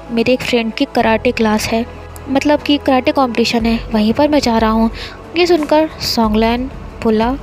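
A woman's voice: fairly high pitch, poor audio. A woman narrating a romance fanfiction, giving each character a slightly lifted voice for their lines. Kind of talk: storytelling narration.

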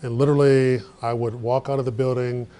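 Animated man presenting a workshop. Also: medium pitch, a little fast. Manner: animated storyteller, gestures widely. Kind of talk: conversational workshop talk. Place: meeting room with projector screen.

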